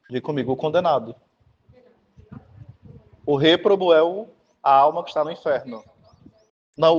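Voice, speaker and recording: Here a man with a Cearense accent from Brazil's Northeast preaches a casual teaching sermon as a Catholic preacher, chatting and repeatedly checking that his audience understands. His voice is a little high, and the recording has the highs cut off and a long hall reverb.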